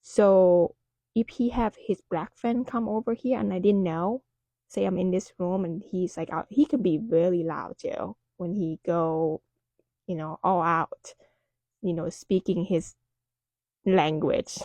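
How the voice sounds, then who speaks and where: A woman's voice: lowish voice, fairly even intonation, slow, warm tone, dry recording. A woman from Thailand speaking English with a Thai accent, talking casually to camera with many fillers and loose phrasing. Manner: talks loosely, with many "um"s and "you know"s.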